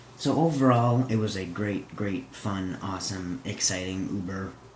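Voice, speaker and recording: A fairly low-pitched man at a fairly slow pace, ordinary pitch variation, audible room echo and noticeable background noise. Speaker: YouTuber, speedcuber. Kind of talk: casual vlog recap. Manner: rambling, halting with fillers.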